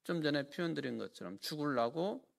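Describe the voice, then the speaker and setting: A man's voice: a little high, lively intonation, brisk, gravelly. A man preaching a sermon as pastor in a church, with a Chungcheong Korean accent, earnest and emphatic, often asking rhetorical questions.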